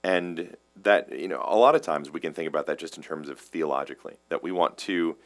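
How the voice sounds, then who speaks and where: A man with a very deep, low voice talks theology as a pastor in relaxed conversation. He explains things earnestly and often circles back, restarting and repeating words mid-thought. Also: fairly quick. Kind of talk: casual theological discussion.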